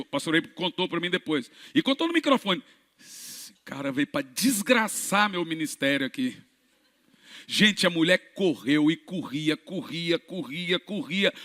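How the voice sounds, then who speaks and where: A male pastor preaching, telling healing stories and acting out the dialogue, moving from hushed moments to shouted peaks. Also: high-pitched. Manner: dramatic storyteller who acts out dialogue, swings from hushed to shouting. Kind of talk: preaching a sermon with healing testimonies. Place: church. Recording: long reverb of a large church hall.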